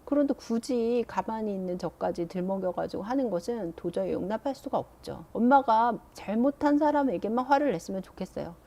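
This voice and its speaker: A woman voicing a resentful teenage girl who is annoyed at being scolded alongside her sister, speaking in a slow, aggrieved complaining way. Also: a little high, lively intonation, dark tone.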